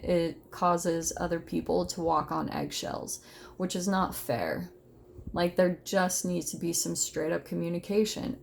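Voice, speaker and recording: A woman's voice: on the low side, vocal fry, a little mellow, slight background noise. A woman giving a casual, unscripted tarot reading, talking informally and directly to her viewers with emphatic, conversational phrasing. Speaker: tarot reader, host of an online reading.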